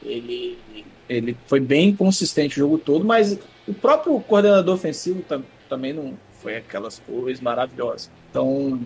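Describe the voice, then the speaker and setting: A husky man with a Brazilian Portuguese accent bantering on a sports podcast. He is blunt and slangy, and his pitch moves around a lot. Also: expressive, moderate pace, hardly any pauses, darkish tone, poor audio. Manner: blunt, teasing interruptions.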